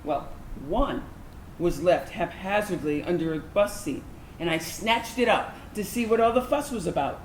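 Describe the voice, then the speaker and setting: A woman performing a slow dramatic monologue as a reflective lesbian recalling her girlhood, in a staged reading. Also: on the low side, lightly acted. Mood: reflective, confiding. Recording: roomy, noisy live stage recording.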